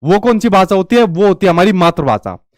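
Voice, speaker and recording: A man's voice: high voice, lively intonation, brisk, dry recording, clean studio sound. A young man with a Hindi accent teaching an online exam-prep lesson, often restating points and checking in with listeners. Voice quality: repeats "ठीक है" and restates points.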